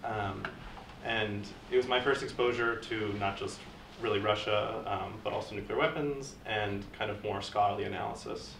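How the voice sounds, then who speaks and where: Fairly low in pitch, a man talks at a moderate pace with fairly even intonation. There is audible room echo and light background noise. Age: 20s. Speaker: graduate student; panelist. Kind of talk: panel talk. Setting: stage with audience. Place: meeting room. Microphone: camera far.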